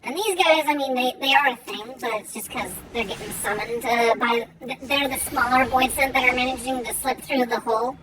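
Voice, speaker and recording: A woman giving casual gameplay commentary and chatting with viewers in a rambling, halting way, her R's softened toward W. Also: sits high, crowd noise, poor audio. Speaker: game streamer. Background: faint music.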